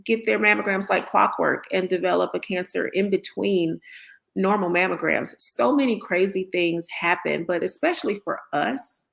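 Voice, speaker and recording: A woman's voice: fairly low pitch, moderate pace, gravelly, low-quality recording. A woman surgeon as a talk show guest, explaining earnestly and stressing her points.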